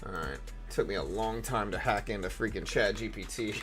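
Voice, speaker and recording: A raspy-voiced man with a fairly low pitch hosts a casual live stream, thinking out loud and tossing questions to his chat. He reads news aloud between loose asides, with faint music playing behind him. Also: fairly quick. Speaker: live trading stream host.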